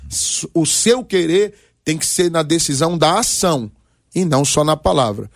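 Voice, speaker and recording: Male, 40s, Brazilian pastor as debate guest. Gravelly creak, dry close sound, emphatic storytelling delivery. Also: on the high side, expressive, moderate pace, no echo. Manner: emphatic, preacherly, storytelling with short punchy phrases. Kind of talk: personal testimony and exhortation in a talk programme.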